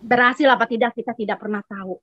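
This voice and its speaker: High-voiced chatty woman telling a testimony. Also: fairly even intonation, fast talker, dry recording. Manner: chatty, acts out both sides of a dialogue. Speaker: congregation member giving a testimony. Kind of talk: casual storytelling testimony. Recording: dry, slightly dull sound.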